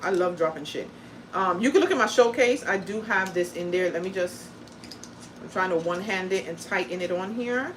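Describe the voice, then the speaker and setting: Over a noisy background, this Guyanese-born, US-raised crafting streamer talks in a lowish, expressive voice at a normal pace. She's a chatty, self-deprecating host who swears a lot and doesn't mince words.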